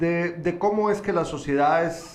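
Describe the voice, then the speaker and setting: A man is speaking. The room echo is audible. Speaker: talk show host. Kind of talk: panel discussion.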